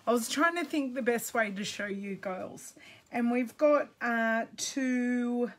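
A woman's voice: on the high side, slow. An Australian woman with a slightly scratchy voice, chatting casually on a live stream and greeting viewers by name. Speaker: craft product demonstrator.

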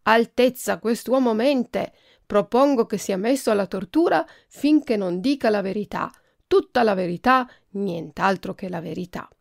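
Storybook villain: woman doing a furious male governor, gravelly, dry recording. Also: lowish voice, moderate pace, hardly any pauses, mellow, no room sound. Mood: angry. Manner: furious, demanding. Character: cruel, hot-tempered male nobleman.

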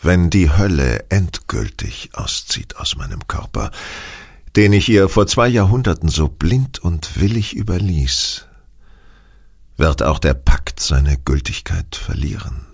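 A voice actor playing a dramatic man in a German horror radio drama, with a husky voice. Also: sits low, sing-song, a little slow, no echo, clean studio sound, heavily acted. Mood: solemn.

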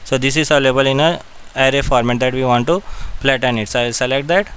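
A man with an Indian accent narrating a step-by-step software tutorial in short, repeated directions. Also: mid-range voice, quick pace, a little hiss or hum.

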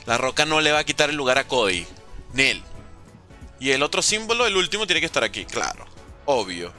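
Bright, lively streamer. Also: male voice, mid-range voice, brisk. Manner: joking, reads out viewer questions and replies. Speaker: gaming streamer. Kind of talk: casual live-stream chat while playing. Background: faint background music.

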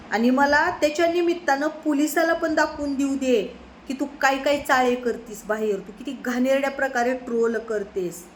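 A woman's voice: high-pitched, a little hiss or hum. A woman delivers a defiant, scolding monologue straight to the camera. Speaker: social media creator.

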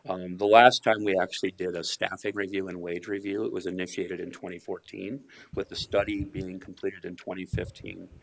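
Brief: middle-aged man, very deep flat gravelly voice, formal podium presenter to a county board. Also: poor audio. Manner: measured, polite, uses fillers. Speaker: county HR director presenting budget. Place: county commission meeting room. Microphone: podium mic.

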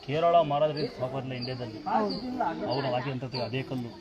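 A man blessing devotees at a temple shrine, talking to them in a brisk, coaxing, teasing way. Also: mid-range voice, steady tone, lo-fi sound. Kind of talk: devotional conversation with visitors. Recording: loud crowd chatter behind.

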